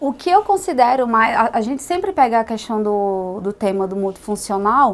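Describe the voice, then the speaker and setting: With an Alagoas accent, a woman speaks at a moderate pace in a fairly high pitch with lively intonation. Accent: Alagoas accent, noticeable. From Alagoas, Brazil. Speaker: architect. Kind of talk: talk show interview.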